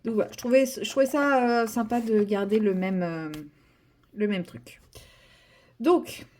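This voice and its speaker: A woman's voice: a little high, a little slow, darkish tone. A young woman chatting casually about her coloring project, rambling with many fillers and restarts and poking fun at herself. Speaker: coloring vlogger. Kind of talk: casual chat while coloring.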